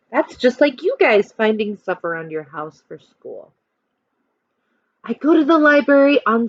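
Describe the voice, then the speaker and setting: A woman's voice: fairly high pitch, no room sound, muffled recording. A woman teacher reading a children's picture book aloud expressively, stopping to explain and put questions to young listeners.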